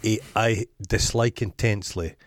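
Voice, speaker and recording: A man's voice: fairly low pitch, steady tone, normal speed, no echo. A Scottish man hosting a podcast, chatting casually in a blunt, opinionated way and swearing freely. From Scotland. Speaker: podcast host. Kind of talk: casual chat.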